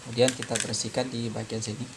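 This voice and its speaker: A man narrating an informal hands-on repair tutorial as presenter, explaining step by step in a halting way with frequent pauses. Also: medium pitch, level tone, gravelly, noisy background.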